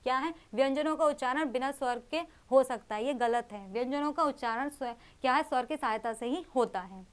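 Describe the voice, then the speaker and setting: Woman, young, teacher, exam-prep grammar lesson, rhetorical questions, crisp resonant voice. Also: high voice, fairly quick, few pauses. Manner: repeats key terms to drill them.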